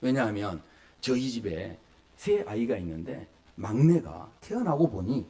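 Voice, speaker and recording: Speaking a little slowly in a fairly low voice, a man in his forties delivers a sermon as pastor. His storytelling is animated, featuring small voices for kids and grown-ups, and he asks the congregation questions along the way.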